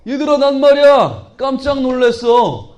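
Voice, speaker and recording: A man voicing the disciple Philip in a children's Bible story, excited and eager. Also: very high voice, normal speed. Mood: amazed.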